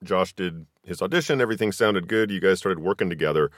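A man's voice: deep voice, fast talker, dry recording, clean studio sound. A man hosting a podcast, asking questions in a casual, conversational interviewing style.

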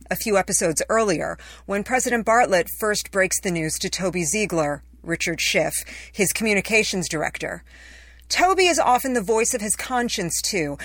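A woman's voice: medium pitch, fairly bright tone, no echo, studio quality. A woman reading her own personal essay as scripted narration, in a conversational, wry storytelling way.

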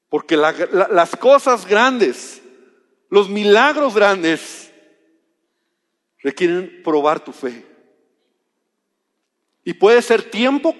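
A man's voice: high voice, in a large hall. A man preaching a sermon in a conversational way, acting out biblical dialogue as he tells it.

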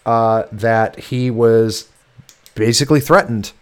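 A man's voice: medium pitch, takes it slowly, clear, resonant tone. A man hosting a political talk show in a casual, sarcastic way, swearing freely and mocking his targets. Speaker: podcast host.

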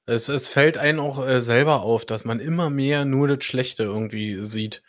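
A man chatting casually with a co-host, speaking hesitantly and filling his pauses. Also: mid-range voice, a bit bright, no echo, studio quality. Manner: hesitant, many fillers. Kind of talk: casual chat.

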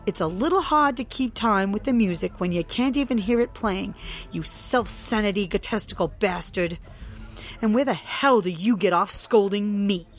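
Woman narrator as Trixie: sullen, scornful daughter. Lowish voice, faint music. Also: a little slow. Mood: furious. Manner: sullen, then sharp and scornful. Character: Trixie, bitter young woman defying her father.

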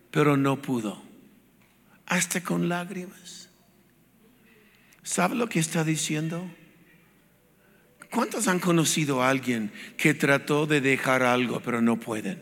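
Slow, bright-voiced older preacher. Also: male voice, sits high. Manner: emphatic, repetitive preaching. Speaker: pastor. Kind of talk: sermon. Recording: long hall reverb with faint music.

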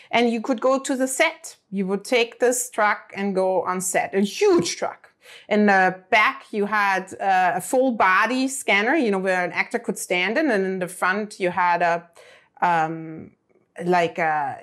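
A woman's voice: medium pitch, a bit bright. Middle-aged woman, German native speaker, chatty storyteller, mid-range voice. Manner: chatty, many fillers and restarts. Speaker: interview guest. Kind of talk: casual storytelling.

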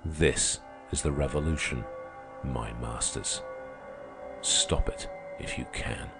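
A fiery young revolutionary , read by a man, addresses his opponents in a very low, weighty voice. He speaks in forceful, measured declamation. Soft music sits under the reading. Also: vocal fry, exaggerated voice. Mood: defiant. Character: fiery young male revolutionary orator, commanding. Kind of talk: audiobook character reading.

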